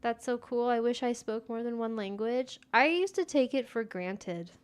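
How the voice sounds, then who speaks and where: A woman's voice: fairly high pitch, moderate pace, clean tone. Chatty young woman streaming a game. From United States. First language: Persian. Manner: chatty, talks to herself while playing. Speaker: gaming streamer. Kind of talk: casual gameplay chat, answering viewer chat.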